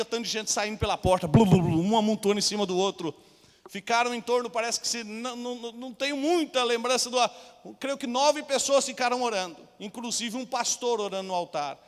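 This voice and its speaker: A man's voice: very high voice, a bit bright. A man with a Brazilian Portuguese accent preaching a sermon as a pastor. He tells stories and often calls out to the congregation. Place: church hall. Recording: long church hall reverb.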